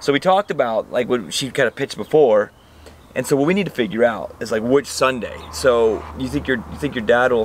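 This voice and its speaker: At a fairly quick pace, a man's pitch swings very widely, the sound dry with no echo and light background noise behind it. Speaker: nonprofit vlog host. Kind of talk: casual vlog chat. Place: garden.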